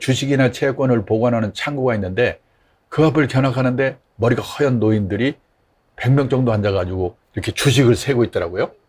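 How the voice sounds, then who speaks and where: A somewhat breathy man at a fairly quick pace, with ordinary pitch variation. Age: 70s. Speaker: retirement planning expert. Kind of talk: interview. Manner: conversational, with some halting repetitions.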